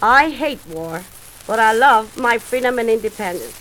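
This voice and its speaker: A woman's voice: on the high side, expressive, normal speed, fairly bright tone, a little hiss or hum, low-quality recording. Earnest Greek-born woman in an archival clip. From Greece. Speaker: interviewee in archival recording. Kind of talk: recorded personal statement.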